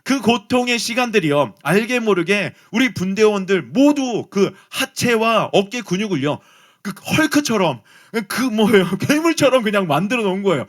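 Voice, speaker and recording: A man's voice: high voice, normal speed. A man preaching a youth sermon, telling a personal story and speaking straight to his listeners. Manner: animated storytelling, addresses listeners directly. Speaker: pastor.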